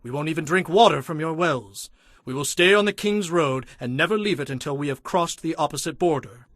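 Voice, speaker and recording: A man playing an earnest, respectful ambassador in a dramatized audio Bible, speaking formally and in measured phrases. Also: on the high side, fairly bright tone, no room sound, clean studio sound, lightly acted. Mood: earnest, pleading.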